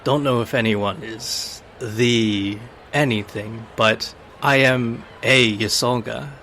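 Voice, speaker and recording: A man voicing a gentle, artistic male dwarf in a tabletop game, mild, dreamy and politely formal. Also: medium pitch, steady tone, slow, slight background noise. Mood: polite, measured. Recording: music under the voice.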